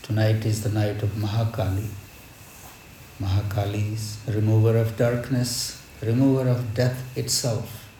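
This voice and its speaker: Slow, reverent man preaching in an echoey space. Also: lowish voice, level tone, dark tone. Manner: reverent, measured, reflective, with deliberate pauses. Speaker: spiritual teacher leading a devotional gathering. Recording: echoey space with background noise.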